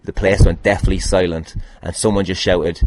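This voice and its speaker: With no echo on the recording, an Irish man speaks in a low voice, delivering flatly at a moderate pace. He hosts a podcast and fields fan questions with loose, meandering anecdotes that are sweary, jokey and self-mocking.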